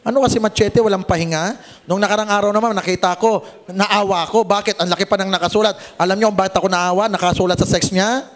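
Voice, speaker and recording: High-voiced man joking through a sales seminar. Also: fairly even intonation, quick pace, fairly bright tone. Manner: joking, teasing the audience, asks "Tama?" often. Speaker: networking seminar presenter. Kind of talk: sales pitch with jokes to a live audience. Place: seminar room with audience.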